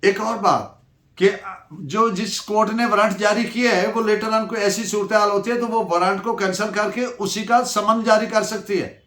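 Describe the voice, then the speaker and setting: High-voiced Pakistani man lecturing, echoey room. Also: fairly even intonation, normal speed, a bit bright. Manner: didactic, poses questions then answers them, switches between Urdu and English. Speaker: law lecturer. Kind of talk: lecture with case-law dictation.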